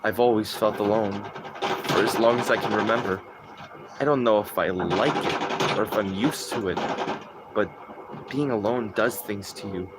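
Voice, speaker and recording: A man voicing a lonely, bitter young man in a low, subdued monologue from a horror game. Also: steady tone, moderate pace, long pauses, very noisy, lightly acted. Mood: brooding.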